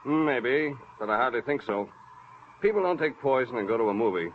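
An actor playing a calm, clinical male doctor in a 1950s radio drama. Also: mid-range voice, normal speed, a little hiss or hum, natural voice. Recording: muffled old radio broadcast.

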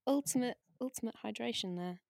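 A woman's voice: fairly high pitch, fairly quick, creaky, a little mellow, dry recording, studio quality. A woman in casual, playful chat, joking along in a teasing way.

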